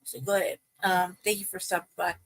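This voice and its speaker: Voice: medium pitch, flat delivery, fairly quick, fairly bright tone. A livestream host talking casually and hesitantly, with many fillers and restarts. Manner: rambling, hesitant, many ums.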